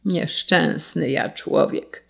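Woman playing a nasty hot-headed wagon driver, loud high wailing, slow, gravelly, storybook. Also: exaggerated voice. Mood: despairing. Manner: shouting, wailing, raised and strained. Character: cruel, hot-tempered male carter, later despairing.

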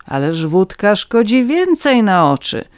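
A reader voicing a shrewd, calm peasant farmer, a man who asks dry, measured questions. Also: mid-range voice, no echo, pitched above the performer's own voice. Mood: sly.

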